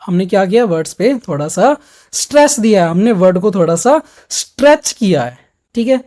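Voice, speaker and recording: Guy teaching an exam prep lesson, soft mellow tone, talks right to his students step by step. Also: high voice, very animated, moderate pace. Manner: explains step by step, speaking straight to students. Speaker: PTE exam coach. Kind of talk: instructional video lesson.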